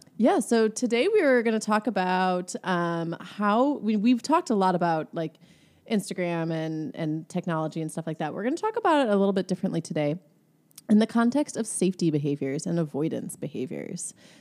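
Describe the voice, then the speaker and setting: A woman speaks in a plain, everyday voice at medium pitch, talking fairly quickly with lively intonation. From Chicago, US Midwest. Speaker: therapist, podcast co-host. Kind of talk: casual chat. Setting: studio, upgraded recording setup. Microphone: new mic with windscreen.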